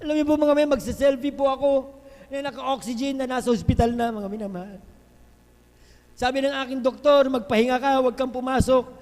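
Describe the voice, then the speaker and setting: A man giving a fervent testimony at a worship service, repeatedly addressing the congregation and breaking into loud hallelujahs. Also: very high-pitched, steady tone, brisk. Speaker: church member giving testimony. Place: church worship hall. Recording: long hall reverb on a live stream.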